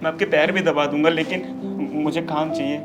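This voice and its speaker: An actor playing a poor beggar who humbly pleads for work, in a web drama. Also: male voice, fairly high pitch, fairly even intonation, moderate pace, music in the background, lightly acted. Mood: pleading.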